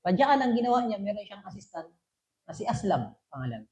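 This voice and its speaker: A woman teaching a religious lesson. She recites Arabic phrases and then explains them in a relaxed, conversational way, checking in with her listeners. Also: mid-range voice, a little fast, muffled recording. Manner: asks listeners rhetorical checks. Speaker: Islamic teacher.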